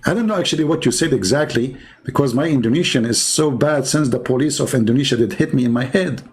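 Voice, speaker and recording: A man's voice: medium pitch, fast talker, a little mellow, rough recording. A middle-aged man giving sarcastic commentary in broken English, reading from a website and mocking what he reads. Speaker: online religious debater.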